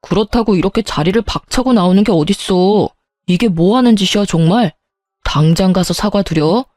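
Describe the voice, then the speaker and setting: A woman's voice: medium pitch, normal speed, darkish tone, dry recording, clean studio sound, natural voice. A woman voicing an irritated young husband who scolds defensively. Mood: scolding.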